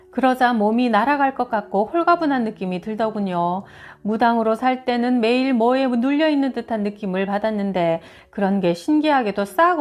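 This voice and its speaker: A woman reading first-person testimony stories as a scripted narration, in a measured read-aloud manner. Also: a little high, darkish tone. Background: background music.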